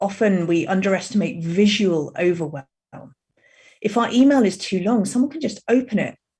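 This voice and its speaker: The speaker uses a somewhat breathy voice at a moderate pace, with ordinary pitch variation and long, frequent pauses. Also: woman. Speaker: communication consultant and author. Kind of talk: interview. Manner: measured with pauses; eloquent.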